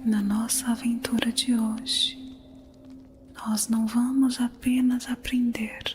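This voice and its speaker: A woman narrating an ASMR guided meditation in a soothing, unhurried manner. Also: on the high side. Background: music.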